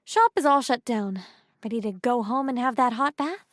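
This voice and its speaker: An actress playing a chatty, teasing young female coworker in an audio drama, with an expressive manner. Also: a little high, moderate pace, no room sound, studio quality, natural voice.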